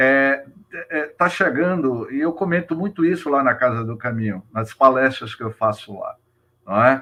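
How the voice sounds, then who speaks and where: In a bright, sharp tone, a man with a fairly high pitch speaks at a fairly slow pace with lively intonation. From Salvador, Bahia, Brazil. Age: 60s. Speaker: spiritist lecturer. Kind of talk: casual remarks on a live religious program. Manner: halting, with many fillers.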